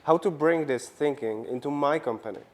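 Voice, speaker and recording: A man's voice: on the high side, a little fast, a little mellow. A man acting as conference moderator, passing on audience questions to a speaker. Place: conference stage.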